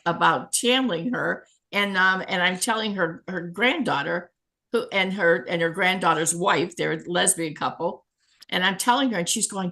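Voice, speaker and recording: A middle-aged woman with a slightly low voice tells a long, animated anecdote in a casual chat. She laughs often as she goes and keeps an easygoing storyteller's rhythm. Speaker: spiritual healer and guest. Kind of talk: casual storytelling on a talk show.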